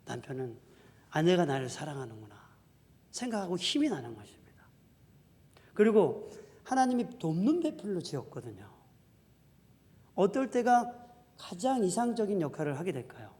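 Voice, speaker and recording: Male preacher, higher-pitched, forceful swings from loud to quiet, big echoing sanctuary. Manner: emphatic preaching, swings between loud declarations and soft asides. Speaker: pastor. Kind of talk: sermon. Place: church sanctuary. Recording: long hall reverb.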